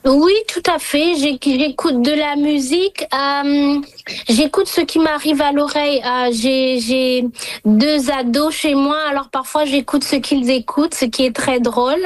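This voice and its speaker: A middle-aged woman from Congo, a singer-songwriter answering interview questions thoughtfully, pausing often to find her words. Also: high voice, no room sound. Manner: thoughtful, searching for words with many pauses.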